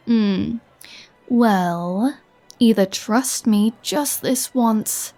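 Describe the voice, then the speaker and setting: A woman's voice: a little high, mellow. A woman playing a flirty, sardonic vampire in an ASMR roleplay, teasing and sarcastic with a playful threat. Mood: teasing, sly. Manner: teasing, sarcastic, conversational with sighs. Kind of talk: ASMR roleplay audio drama.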